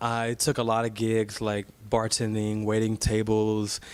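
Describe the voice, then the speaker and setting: At a fairly slow pace and medium pitch, a man speaks in a monotone, flat way on a very clean recording with a silent background. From Ohio, US Midwest. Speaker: singer-songwriter. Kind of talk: interview. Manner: hesitant, many ums.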